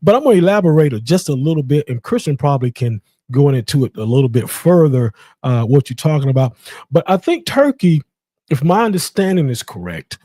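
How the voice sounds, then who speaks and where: Casting: male livestream show host, slightly high and mellow, informal and meandering. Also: big pitch swings, fairly quick, no room sound, clean studio sound. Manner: rambling, repeats himself. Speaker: host of a live boxing call-in show. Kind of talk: casual livestream hosting.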